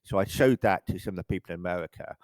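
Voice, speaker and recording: A middle-aged English man with a very low voice, chatting casually as an interview guest. He rambles and often restarts his sentences. The sound is close and dry. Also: racing, darkish tone, no echo. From England. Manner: rambling, self-correcting, frequent stammered restarts. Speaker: photographer guest.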